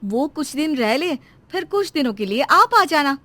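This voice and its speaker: A woman's voice: high voice, big pitch swings, normal speed, bright, forceful tone, no echo, full character voice. A woman voicing a young wife caught between her husband and her mother in a cartoon story, earnest and pleading.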